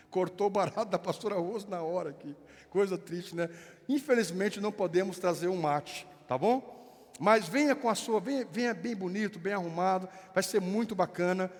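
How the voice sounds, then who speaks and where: A man from southern Brazil with a gaúcho accent, a pastor leading prayer and giving notices in church. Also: sits high. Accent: gaúcho Brazilian Portuguese. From Rio Grande do Sul, Brazil. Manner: fervent, drawn-out prayer lines, playful banter. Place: church sanctuary with worship music. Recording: reverberant hall with music behind.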